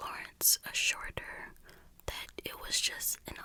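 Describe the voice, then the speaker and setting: A woman whispers at a fairly slow pace while noticeable background noise carries on. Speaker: true crime ASMR youtuber. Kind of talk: true crime storytelling narration in ASMR style. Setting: home recording with street noise in background. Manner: whispered, soft-spoken.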